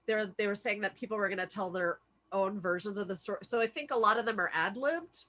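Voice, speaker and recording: Woman, bright forceful voice, off-the-cuff and candid, loose casual talk over a video call. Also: mid-range voice, fast. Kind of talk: casual chat after a virtual table read.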